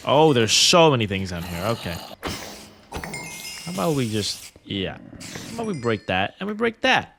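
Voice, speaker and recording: A man's voice: mid-range voice, big pitch swings, normal speed, vocal fry, long pauses, a bit bright, a little hiss or hum. A young man casually commenting on his gameplay, rambling and joking with viewers. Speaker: gaming creator. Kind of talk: let's play commentary.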